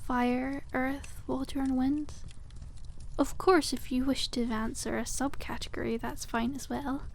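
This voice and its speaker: A woman voicing a cute, kindly witch shopkeeper in an ASMR roleplay, speaking softly and teasingly with old-fashioned courtesy. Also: sits high, flat delivery, a little slow, a little hiss or hum. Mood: gentle, attentive. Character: cute, coy, kindly witch selling dragon eggs. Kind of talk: ASMR roleplay, scripted and addressed to listener.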